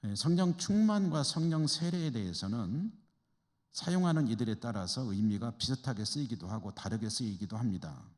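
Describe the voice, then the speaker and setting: Speaking at a moderate pace, this man has a medium-pitched, expressive voice with a darkish tone. He's a Chungcheong-born Korean pastor teaching Bible study conversationally in an echoing church hall, posing rhetorical questions to the group.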